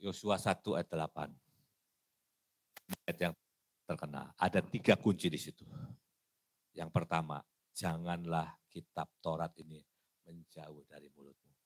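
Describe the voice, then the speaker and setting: A male evangelist with an Indonesian accent delivers a sermon in a low-pitched voice. He swings from loud, emphatic lines to hushed asides and acts out short exchanges. The sound is close and dry. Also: steady tone, unhurried, pauses often, breathy edge, no room sound. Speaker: evangelist preacher.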